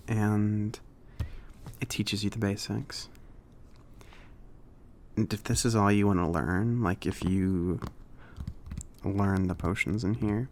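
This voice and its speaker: A gravelly, fairly low-voiced mage shopkeeper, played by a man, talks softly in an ASMR roleplay. He is friendly and a bit awkward, rambling along slowly and hesitantly as he helps a customer. There is faint noise behind the voice. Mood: friendly, helpful. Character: friendly, slightly awkward male mage running a magic shop. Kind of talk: soft-spoken ASMR roleplay, casual and improvised.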